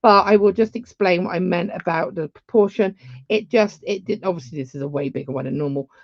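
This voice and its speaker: A woman's voice: lowish voice, fairly quick, vocal fry, no echo, highs cut off. Chatty woman teaching beading. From England. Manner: chatty, rambling asides. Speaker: beading tutor. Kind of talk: live craft tutorial.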